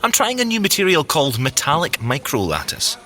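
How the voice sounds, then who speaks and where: A man playing an excitable, playful, nerdy secret agent scientist in an audio drama, with a boyish, eager way of talking. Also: on the high side, a little fast, full character voice. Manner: boyish, eager, geeky, swooping delivery.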